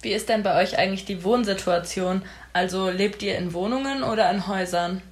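A woman's voice: mid-range voice, a little fast. An eighteen-year-old woman from Jülich who leads the discussion, asking her friends questions in a curious way. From Jülich, Germany. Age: young adult. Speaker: discussion moderator. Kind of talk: casual discussion.

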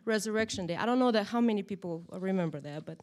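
A woman's voice: medium pitch, fast talker. A woman from Moldova, teaching a church Bible lesson to a group in a chatty way, often adding "right?". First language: Russian or Romanian. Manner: chatty, animated, tag questions. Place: church room, in front of a group.

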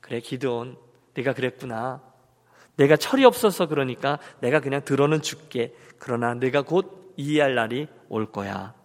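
A man voicing God softly consoling a complaining follower, in a reverberant church hall. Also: a little high, expressive, fast, hardly any pauses, pitched below the performer's own voice, close to an everyday voice. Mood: tender. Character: grieving, gentle God speaking to a complaining man.

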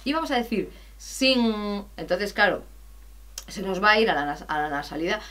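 Woman from teaching singing, chatty, bright tone, keeps asking if you got it. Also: medium pitch, moderate pace. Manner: chatty, explains step by step with frequent checks; sings loud sustained vowel demos. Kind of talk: podcast lesson on vocal technique.

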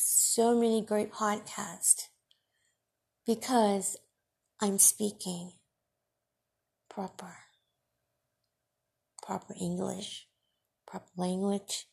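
A woman podcast host and radio broadcaster with Farsi as her first language, talking in a deliberate, emphatic monologue that scolds her critics. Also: mid-range voice, fairly even intonation, gravelly, darkish tone, husky.

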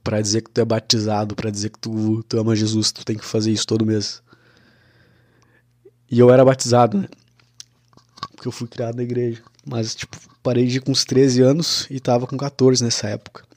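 A young man recounts a personal story in a casual, confessional monologue. His voice sits at a middle pitch and stays flat and even, and he keeps dropping in "cara" and "né". The sound is dry and close, with no room around it. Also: fairly quick, no room sound.

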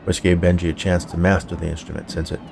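A man narrating scripted fiction as a storyteller, in a measured, clearly phrased way. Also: deep voice, flat delivery, background noise. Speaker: writer, narrator and podcast producer.

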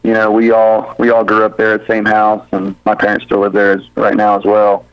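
A low-pitched man in his thirties speaks in a flat, even tone. He's a football coach giving a rambling, easygoing interview full of fillers and restarts. The sound is dry and dull, like lo-fi radio audio. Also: brisk, dry recording. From Birmingham, Alabama. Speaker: high school football head coach. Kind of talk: interview on a sports radio show.

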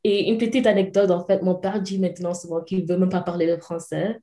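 Guesting on a podcast, this young Cameroonian woman talks casually in French laced with English words during a relaxed interview. She speaks a little fast in a lowish, mellow, level voice, and the sound is roomy.

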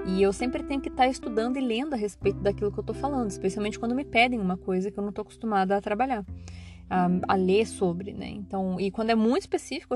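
A Brazilian woman chats on her own podcast in a loose, rambling way, full of fillers and restarts. Her pitch sits in an ordinary middle range. Guitar music plays clearly underneath her voice. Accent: Brazilian Portuguese. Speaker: podcast host and radiology teacher. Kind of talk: casual solo podcast chat.

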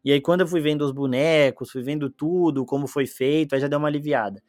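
Fast-talking Brazilian man, animated podcast host. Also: on the high side, no room sound, studio quality. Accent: Brazilian Portuguese. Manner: animated, slangy, exclaims often. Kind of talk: casual film review chat.

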